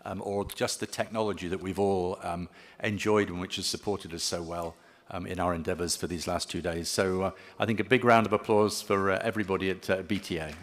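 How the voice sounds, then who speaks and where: A man giving closing remarks at a conference, speaking haltingly with many ums and restarts. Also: low-pitched, flat delivery. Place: conference hall. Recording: long reverb of a large hall.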